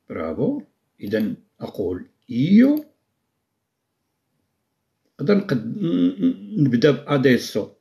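A man with a Moroccan Arabic accent teaching Italian in a live-stream lesson, repeating words slowly, quizzing his viewers and praising their answers. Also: medium pitch, lo-fi sound.

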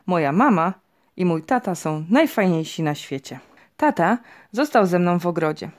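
A woman narrating a children's storybook audiobook in a lively, expressive way. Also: on the low side, moderate pace. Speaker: audiobook reader.

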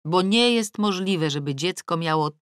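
A woman narrating an audiobook in the first person with a wry, ironic delivery and lively pitch swings, close to the mic. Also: normal speed, clear, resonant tone, no echo. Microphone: close studio mic.

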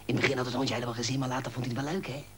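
A man's voice: medium pitch, level tone, very fast, a little hiss or hum, lightly acted. An actor in a TV comedy sketch playing a pushy, leering male fan who keeps nudging with innuendo and slips into sly whispers. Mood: insinuating.

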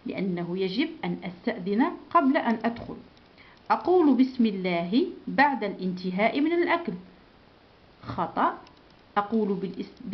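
A woman teacher walks a class of small children through their review, saying each sentence and then saying it again. She praises them often and keeps a patient, steady pace. The recording is dull and lo-fi. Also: medium pitch. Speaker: primary school teacher.

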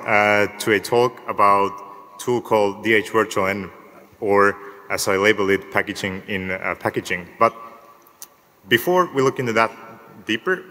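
A man from Finland, giving a relaxed, lightly joking technical talk at a lectern in a large conference hall. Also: fairly low pitch. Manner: relaxed, lightly joking, asks the audience show-of-hands questions. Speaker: conference speaker. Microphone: lectern microphone. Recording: long hall reverb, from the lectern mic.

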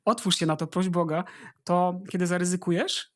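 A man's voice: high voice, steady tone, normal speed. A man giving informal spiritual advice as a guest, earnestly urging listeners and addressing them directly. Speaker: interview guest, religious brother.

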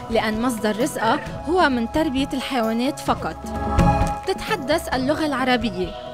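A woman with a Lebanese Arabic accent, reading scripted documentary narration as a TV reporter. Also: high-pitched. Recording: voice-over with music bed.

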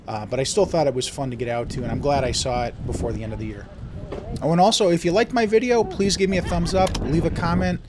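A man's voice: a little high, background noise. A man with a stuffed-up voice from a cold, chatting easygoingly as he narrates his flea market vlog.

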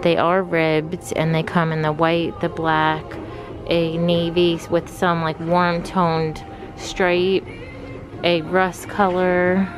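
This shop-with-me clip features a young fashion vlogger chatting casually in a clothing store, filmed on a handheld phone, with plenty of "like" fillers. Her voice is fairly low, level in tone and slow-paced, and background music runs over her speech.

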